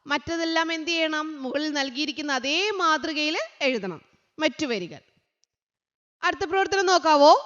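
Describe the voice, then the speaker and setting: A woman tutor, teaching young children, asking questions and answering them herself, sometimes chanting lines slowly. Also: sits high, bright, forceful tone. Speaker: online tutor. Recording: dull sound with a long echo.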